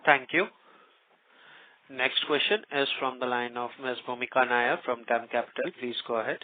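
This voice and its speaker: A man's voice: medium pitch, normal speed, no room sound. Formal male call moderator, phone sound. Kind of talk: formal queue announcements. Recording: narrow phone line.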